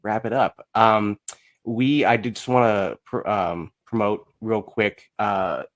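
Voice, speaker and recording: A man with a fairly low voice talks as a podcast guest. His delivery is casual and halting, as he feels his way toward the right words. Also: fairly even intonation. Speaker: podcast guest, musical creator. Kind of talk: casual chat.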